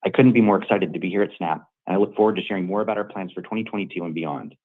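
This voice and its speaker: A man's voice: sits low, rapid-fire. A man reading scripted, formal remarks as an operations executive on an earnings call. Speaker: chief operating officer. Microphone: conference call line. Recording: muffled, narrow phone-like call line.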